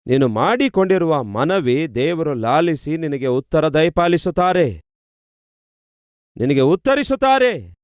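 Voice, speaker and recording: Preacher as old priest Eli, blessing slowly. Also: male voice, a little high, big pitch swings, no room sound, studio quality. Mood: reassuring.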